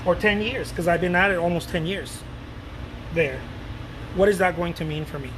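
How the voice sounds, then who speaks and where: Late-30s guy, kinda high voice, rambly chatty vlog talk, aircon humming behind. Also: normal speed, noisy background. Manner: loose and animated, repeats words, swears casually. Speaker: painter talking to his viewers. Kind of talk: casual rambling talk to camera.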